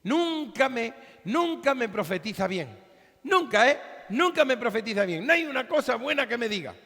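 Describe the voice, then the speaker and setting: A man's voice: very high voice, very animated, moderate pace, pushed and bright, long reverb tail, full character voice. A man preacher voicing a petulant, scheming ancient king who complains with a whiny manner. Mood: grumbling.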